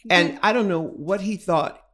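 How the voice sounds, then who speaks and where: A man's voice: high voice, a little slow, fairly bright tone. A man co-hosting a casual podcast chat, playful and campy, laughing often, in a small studio room with an echo off the ceiling. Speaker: podcast co-host. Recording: echoey room bouncing off the ceiling.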